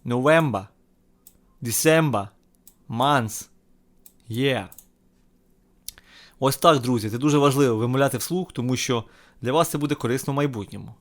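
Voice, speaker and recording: A man's voice: mid-range voice, normal speed, long pauses. A man with a Ukrainian accent teaching an English lesson, patiently repeating each word twice for students to say aloud. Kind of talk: language lesson, repeat-after-me drill.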